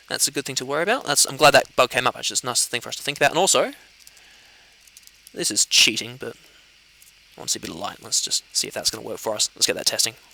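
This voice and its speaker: A man speaks at a very fast pace, broken by long, frequent pauses and big swings in loudness. The sound is dry and close with no echo, though noticeable background noise runs underneath. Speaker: programming tutorial maker. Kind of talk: screen-recorded coding tutorial. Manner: casual, thinking aloud.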